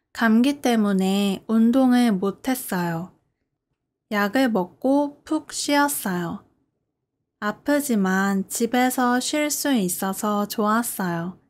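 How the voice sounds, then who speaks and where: A woman language teacher delivering a scripted beginner listening lesson in short, simple, carefully separated sentences. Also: mid-range voice. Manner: careful, simple phrasing with clear sentence breaks.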